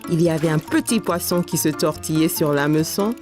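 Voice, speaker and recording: A woman narrator telling a scripted children's story in a simple, clear storytelling manner. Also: sits low, a little fast, a little mellow. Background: music.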